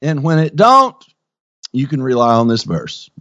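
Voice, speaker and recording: A man's voice: mid-range voice, sing-song, a little slow, lo-fi sound, heavy background noise. A man teaching the Bible conversationally, with a TV preacher's emphatic repetition and rhetorical questions.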